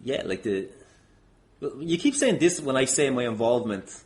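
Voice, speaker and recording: Casting: male podcast host, mid-pitched, informal and halting, conversational interview style. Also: lively intonation, a little mellow. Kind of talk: casual chat interview.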